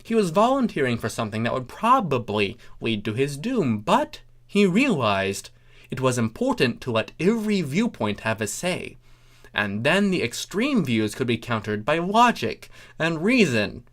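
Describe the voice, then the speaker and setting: A narrator reading comic fan fiction aloud in a deliberate, theatrical way, with wry asides. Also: medium pitch, very animated. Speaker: narrator, story reader.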